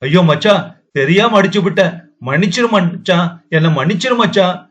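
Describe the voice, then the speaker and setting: A man's voice: sits high, lively intonation, moderate pace, a bit bright, voice pushed up. A man voicing a feverish, distraught young wife who pleads and wails through sobs, in a dull lo-fi recording. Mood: begging. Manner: wailing, sobbing pleas. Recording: dull lo-fi audio.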